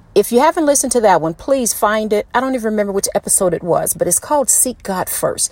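An American accent comes through as a woman speaks loudly at a fairly high pitch, her animated tone swinging very widely in pitch. The sound is dry and close, with no echo. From US South. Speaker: podcast host, inspirational speaker. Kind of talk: motivational monologue. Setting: in a car.

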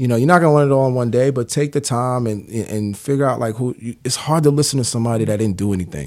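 A man with a New York accent talks very fast at a medium pitch, with ordinary pitch variation, hardly any pauses, and a very clean recording over a silent background. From New York, the Bronx. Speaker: music industry creative director. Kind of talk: interview.

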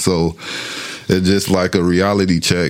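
This man has a very deep, low voice and an American accent. There is noticeable background noise. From Long Beach, California. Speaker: podcast guest. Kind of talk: casual chat.

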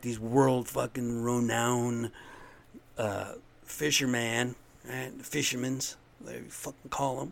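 A man with a medium pitch speaks at a very slow pace, his loudness swinging widely. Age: 60s. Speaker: podcast host. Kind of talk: casual monologue. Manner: animated.

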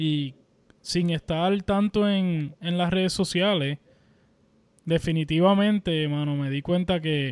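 Fairly slow delivery with fairly even intonation. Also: man. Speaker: podcast co-host. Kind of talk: casual chat.

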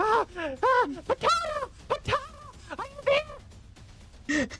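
This is a put-on character voice at an extremely high pitch, with very wide pitch swings. Clear background noise sits behind it.

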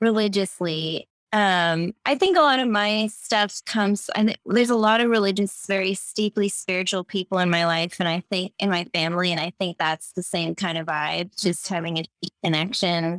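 A woman with an unremarkable speaking voice, medium pitch and ordinary pitch variation, at a moderate pace with hardly any pauses, in a dry, close sound with no echo. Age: 30s. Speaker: artist and tarot reader. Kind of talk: casual interview chat. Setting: remote call.

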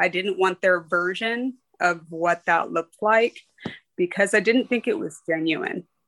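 Here a woman with an American accent speaks fairly slowly in an ordinary speaking voice of medium pitch. Her pitch varies in an ordinary way, while her loudness swings widely. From Southern California (Riverside). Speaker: punk band bass player. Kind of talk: interview testimony.

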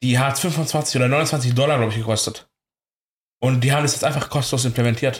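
A man speaks at medium pitch and a fairly quick pace, his voice somewhat breathy. His intonation stays fairly even. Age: 30s. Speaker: podcast co-host. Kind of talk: casual chat.

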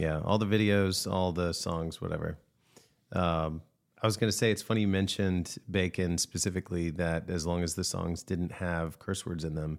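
The recording is very clean, with a silent background. A man with a very deep, low pitch talks at a moderate pace. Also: fairly even intonation. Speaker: podcast co-host and band member. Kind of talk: casual chat. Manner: laid-back, joking.

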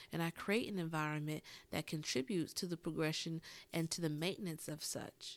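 With an ordinary speaking voice, a woman talks at a moderate pace and a fairly low pitch in a very clean recording with a silent background. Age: 20s. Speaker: librarian podcast host. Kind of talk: casual solo podcast talk. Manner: laughs often.

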